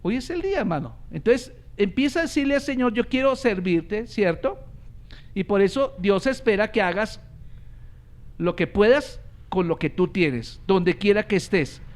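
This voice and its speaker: A man, a pastor preaching a sermon from a church pulpit, shifting between loud exhortation and quiet storytelling. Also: sits high, animated, measured pace.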